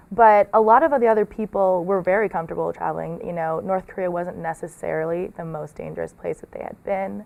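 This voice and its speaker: A woman with an American accent races along at a very fast pace with hardly any pauses and big swings in loudness. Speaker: journalist. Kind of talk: interview. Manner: hesitant, many ums.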